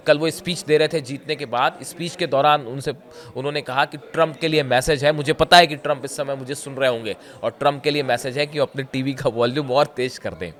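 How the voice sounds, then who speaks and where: A hoarse man giving conversational news commentary straight to his viewers, pausing often and pointing things out as he explains. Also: medium pitch, fairly bright tone. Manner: conversational, often says "dekhiye", frequent filler pauses.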